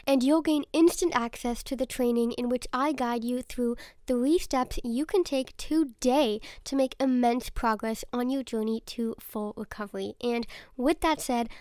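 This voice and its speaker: A young woman with a high voice hosts her own podcast, slightly raspy and nasal from a cold. She speaks earnestly and personally, recorded close and dry with no room sound. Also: no room sound. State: sore throat and stuffy nose. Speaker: podcast host. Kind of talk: solo podcast monologue.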